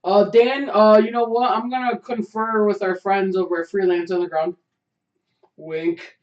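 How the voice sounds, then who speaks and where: A hoarse man with a Chicago accent riffs and teases in loose webcast banter. The sound is dull and lo-fi, with a roomy echo around his voice. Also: high voice, steady tone, normal speed. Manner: joking, teasing banter. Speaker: podcast co-host. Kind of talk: casual chat. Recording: echoey room, dull lo-fi sound.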